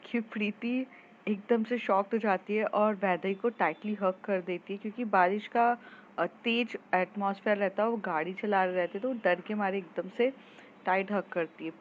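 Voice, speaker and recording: A woman's voice: mid-range voice, narrow, tinny audio, a little hiss or hum. Chatty woman telling a love story. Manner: rambling, with fillers, repeats and self-corrections. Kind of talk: casual spoken storytelling.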